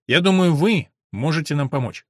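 A man's voice: fairly high pitch, expressive, normal speed, no room sound, studio quality. A man voicing an earnest young male recruiter who talks persuasively.

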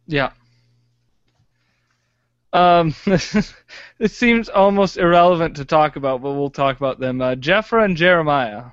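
A man's voice: on the high side, a little slow, long pauses, clear, resonant tone, no echo. A man co-hosting a casual podcast, who laughs often and hesitates with "uh"s. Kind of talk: casual chat. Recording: dry, slightly dull lo-fi audio.

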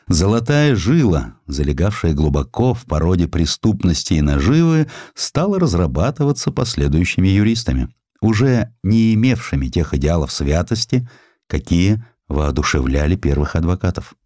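A man reading a historical essay as a scripted, dramatic literary narration, in an expressive, theatrical storytelling manner. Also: low-pitched, normal speed, no echo, studio quality. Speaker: audiobook narrator.

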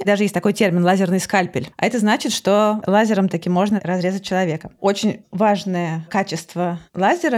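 A woman's voice: mid-range voice, a little mellow. A woman hosting a popular-science show, explaining things in a conversational way with frequent little check-in tags. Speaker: podcast host.

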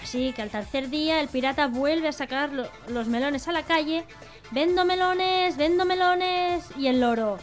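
High-voiced woman radio joke-teller. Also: soft background music. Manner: brisk joke-telling with shouted character lines. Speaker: radio comedy co-host. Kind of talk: telling jokes on local radio.

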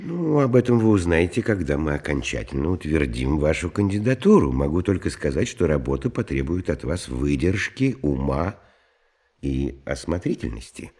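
An actor playing a suave, secretive count in an audio drama, courtly, with hesitant, drawn-out phrasing. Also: male voice, extremely low pitch, very animated, a little mellow, husky, full character voice. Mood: courtly, evasive. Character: tall, suave, secretive count interviewing job applicants. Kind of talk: theatrical audio drama acting.

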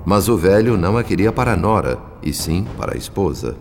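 Deep-voiced male radio drama narrator. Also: big pitch swings, vocal fry, slight background noise. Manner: formal, literary, measured. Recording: long reverb, soft music behind. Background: faint music.

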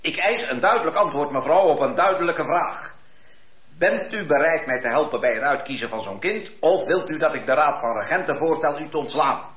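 An actor playing a stern, impatient colonel in a radio drama, curt, formal and imperious. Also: male voice, fairly high pitch, animated, fairly quick, fairly bright tone. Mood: stern, demanding. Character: stern, impatient 17th-century colonel, a wealthy regent. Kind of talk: Dutch radio drama acting. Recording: dull, roomy radio drama recording.

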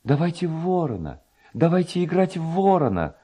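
A man voicing gentle, plaintive ghostly young maidens in a storybook reading. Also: a little high, very animated, normal speed, husky, voice pushed up. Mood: playful. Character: gentle ghostly drowned young maidens playing a night game.

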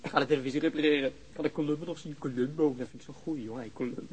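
Actor as a quick, chatty, easygoing workmate. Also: male voice, on the high side, fairly even intonation, darkish tone, close to an everyday voice, low-quality recording. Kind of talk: naturalistic Dutch radio drama acting.

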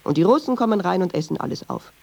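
An actress in a radio drama voices a chatty, ironic Jewish woman, speaking fast in a low, expressive, creaky, dark-toned voice. Her monologue within dialogue is wry, musing, and restless, a digressive and insistent stream of storytelling.

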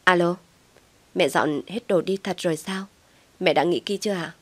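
A woman's voice: normal speed, no room sound, natural voice. A woman voicing a frantic grieving young mother. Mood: distraught. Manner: shrill crying outbursts.

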